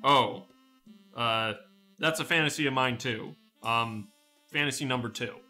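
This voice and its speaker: A man's voice: mid-range voice, measured pace, sharp tone, soft background music. An actor playing a wry, slightly awkward male detective in a sci-fi radio drama, dry and hesitant.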